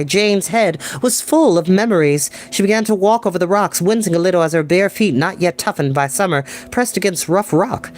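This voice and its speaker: A young adult man reading a novel aloud as storyteller, in expressive audiobook-style narration. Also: high-pitched. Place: small room at a desk. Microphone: desk microphone.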